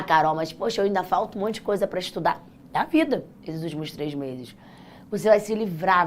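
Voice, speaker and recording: A Brazilian woman teaches a live online class in a husky voice that sounds worn and hoarse. She is informal and chatty, speaking straight to her students and encouraging them as she goes. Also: lowish voice, fairly bright tone, a little hiss or hum. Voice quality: naturally husky, raspy. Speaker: chemistry teacher hosting a live exam-prep class. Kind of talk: live online lesson, informal pep talk.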